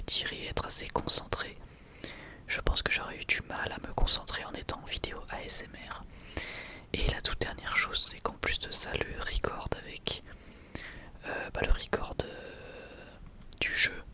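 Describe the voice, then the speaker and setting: A man speaking in a soft, breathy ASMR whisper, gently addressing viewers as a video creator.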